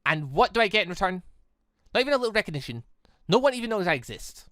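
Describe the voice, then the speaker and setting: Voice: mid-range voice, sing-song, fast, fairly bright tone, no echo, clean studio sound. A game commentator voicing a young warrior woman's bitter alter ego, mocking and accusing. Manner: taunting, accusing.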